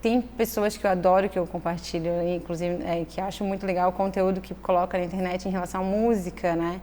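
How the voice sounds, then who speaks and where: A woman in casual conversation, explaining parenting ideas in a thoughtful, measured way, often checking in with "né". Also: lowish voice, steady tone, mellow. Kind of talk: conversational interview. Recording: echoey room with faint noise.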